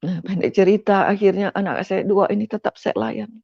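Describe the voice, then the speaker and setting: A woman's voice: mid-range voice, expressive, a little fast, vocal fry, slightly rough, no echo. A middle-aged woman from West Sumatra tells her personal faith testimony with emotion, often addressing her listeners as "Saudara". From West Sumatra, Indonesia. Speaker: testimony speaker. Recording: dull, dry lo-fi sound.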